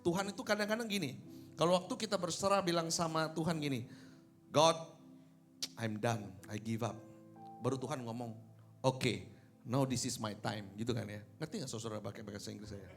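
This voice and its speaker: A man's voice: medium pitch, normal speed, pauses often, soft background music. A man preaching a conversational, joking sermon, often checking with listeners through rhetorical questions. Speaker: pastor, preacher.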